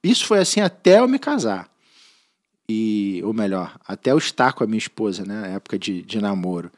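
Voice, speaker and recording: A man's voice: lowish voice, big pitch swings, a little fast. Earnest Brazilian man sharing a testimony. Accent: Brazilian Portuguese. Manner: earnest, heartfelt storytelling with frequent restarts. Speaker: church member and podcast guest. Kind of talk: personal faith testimony in conversation.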